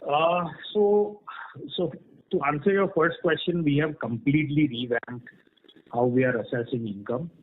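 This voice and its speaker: A man with a voice on the high side talks at a normal pace as a company executive taking analysts' questions. It's an earnings call Q&A heard over a muffled, band-limited line, and his explanations are frank, unscripted, and often punctuated by "right?"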